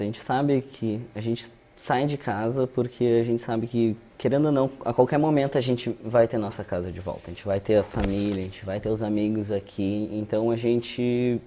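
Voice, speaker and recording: Man, guest, mellow dark voice, easygoing. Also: mid-range voice. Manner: easygoing, explains at length. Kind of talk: casual talk show conversation.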